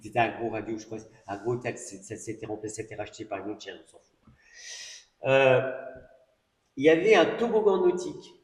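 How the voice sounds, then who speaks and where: A man's voice: lowish voice, expressive, fairly quick, long pauses. A man preaching in an echoey church hall. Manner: conversational storytelling with many asides and fillers. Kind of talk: testimony sermon.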